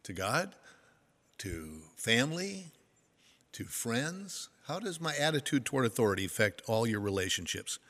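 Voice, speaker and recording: A man's voice: medium pitch, sing-song, normal speed, fairly bright tone, long reverb tail. An older man giving a sermon to a congregation, telling stories in a folksy, self-deprecating way. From United States. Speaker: pastor.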